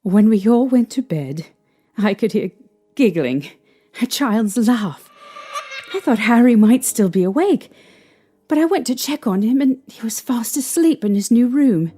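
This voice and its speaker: A woman playing a young mother shaken by strange happenings, recalling them in a halting, hesitant way. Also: fairly high pitch, lively intonation, dark tone. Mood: uneasy. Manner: hesitant, halting recollection with restarts. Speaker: interviewee recounting events. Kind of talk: fan audio drama acting. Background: faint music.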